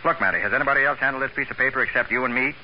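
An actor playing a shrewd, sceptical private detective in a 1940s radio drama, with a brisk, questioning manner. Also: male voice, mid-range voice, close to an everyday voice. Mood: brisk, skeptical. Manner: brisk, skeptical, clipped questioning. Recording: muffled, hissy old radio recording.

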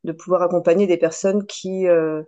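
A woman's voice: on the low side, fairly even intonation, moderate pace, mellow. A French woman in her forties, a coach and guest on a podcast interview, speaking thoughtfully with many hesitations and restarts. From France. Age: 40s. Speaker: guest, personal development coach.

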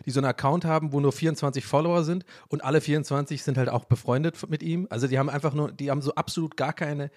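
A man's voice: on the high side, fairly even intonation, rapid-fire, hardly any pauses, a little mellow. A young man hosting a casual solo podcast, rambling and self-mocking with jokey asides. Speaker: podcast host.

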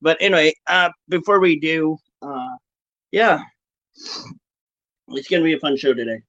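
A man hosting a casual online talk show, chatting in a laid-back, halting, folksy way. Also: fairly high pitch, fairly bright tone, no echo, dull audio. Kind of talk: casual rambling live chat.

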